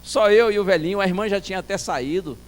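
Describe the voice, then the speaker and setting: A male pastor preaching a sermon as a story, acting out dialogue and swinging from soft to loud. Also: sits high, fast.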